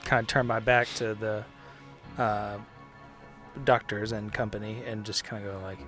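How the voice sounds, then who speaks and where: A man playing a tabletop game, talking casually and hesitantly, often hedging and dropping to hushed tones in character. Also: on the low side, level tone, moderate pace, faint music behind. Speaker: player.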